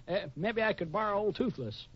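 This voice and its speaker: An actor playing a folksy, eager, slightly scheming cowhand with a homespun drawl in a 1950s radio western. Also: male voice, sits high, lively intonation, fairly quick, breathy edge, no room sound. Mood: folksy, sly. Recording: muffled old radio recording.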